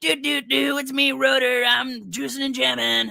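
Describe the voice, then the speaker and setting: A man puts on a character voice. He speaks in a high pitch. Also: moderate pace. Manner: upbeat.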